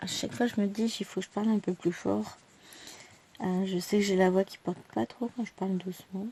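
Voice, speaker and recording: A woman is soft-spoken. She talks at a moderate pace. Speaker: craft YouTuber. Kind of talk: casual chat during coloring tutorial. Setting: at home. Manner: casual with many fillers.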